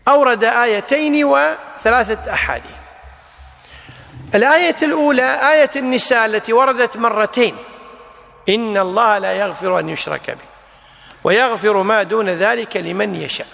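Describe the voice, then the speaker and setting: Male teacher, high bright voice, deliberate lesson delivery with repetition, reverberant hall. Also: gravelly. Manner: deliberate, repeats key phrases for emphasis. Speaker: Islamic teacher. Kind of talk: religious lesson explaining a text.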